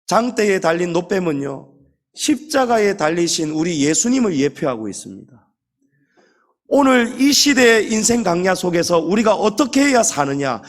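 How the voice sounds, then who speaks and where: High-voiced, animated preaching man. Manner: emphatic preaching, slows down and stretches key words; addresses the congregation directly. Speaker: pastor. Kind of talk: sermon.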